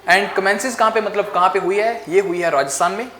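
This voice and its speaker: A woman's voice: medium pitch, fairly quick, fairly bright tone. A woman with an Indian accent runs an exam coaching lesson on current affairs. She repeats each key point and keeps asking "ok?" to check that her students follow. Her voice rings in an echoey room, with a faint hum of ambience behind it. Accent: Indian English. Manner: repeats key facts with frequent "ok?" check-ins.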